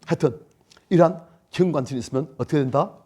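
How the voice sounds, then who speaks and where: A male pastor preaching a sermon, emphatic and repetitive, swinging between loud lines and hushed ones. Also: a little high, quick pace, breathy edge. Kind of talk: sermon at a church retreat.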